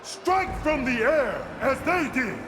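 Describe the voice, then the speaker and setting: An actor playing a commanding tribal chief who shouts rallying proclamations to warriors in a video game cutscene. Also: male voice, sing-song, slow pace, exaggerated voice. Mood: rousing. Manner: booming proclamations, shouted to a crowd. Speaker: tribal leader addressing a crowd. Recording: game audio with loud crowd and noise.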